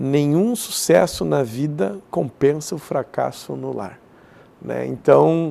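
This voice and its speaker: Very slowly, a man speaks with big swings in loudness. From Rio Grande do Sul, Brazil. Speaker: real estate auction entrepreneur. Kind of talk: TV interview. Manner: halting, repeats words.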